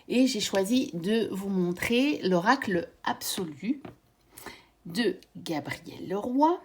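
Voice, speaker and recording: A woman born in Belgium hosts her own channel and walks through her favourite card decks. She speaks slowly and gently, with a husky, breathy tone and a middle pitch, pausing with small fillers between thoughts. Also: lively intonation. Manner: gentle, measured, pauses with fillers. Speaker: tarot and oracle card channel host. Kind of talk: casual card deck presentation.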